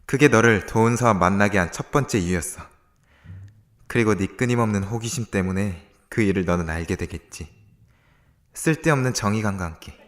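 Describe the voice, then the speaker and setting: A man playing a calm, manipulative young mastermind in a student radio drama, smug and measured. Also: fairly low pitch, no echo, close to an everyday voice. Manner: smug, measured, quietly taunting. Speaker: scheming voice actor.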